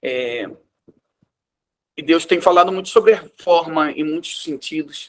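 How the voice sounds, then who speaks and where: Long, frequent pauses break up the speech. The pace is fairly slow, with ordinary pitch variation. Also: man, fairly high pitch for a man. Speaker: pastor. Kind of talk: sermon.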